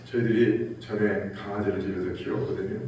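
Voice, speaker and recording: A man's voice: fairly low pitch, little pitch movement, brisk, mellow, a little hiss or hum. A male pastor giving a Sunday sermon in a church sanctuary, telling stories and acting out quotes with rising and falling emphasis. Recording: echoey church hall, distant mic.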